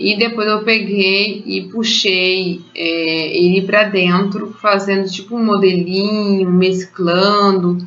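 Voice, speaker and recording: A woman's medium-pitched, monotone, flat delivery at a very slow pace with hardly any pauses, over noticeable background noise. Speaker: baking channel host. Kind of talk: recipe tutorial voiceover. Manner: casual.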